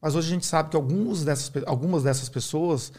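A middle-aged Brazilian man, a neurologist, explaining his field in a measured, teaching way on a podcast, often tagging his sentences with a questioning aside. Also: fairly high pitch, a little mellow, breathy edge. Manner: measured, didactic, uses many "né?" tags. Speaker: neurologist guest.

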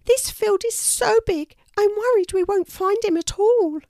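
A woman voicing a tiny, anxious female field mouse in a storybook, with a high squeaky voice. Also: a little slow, warm tone, dry recording, studio quality. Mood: worried. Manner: storybook character voice, bossy then worried.

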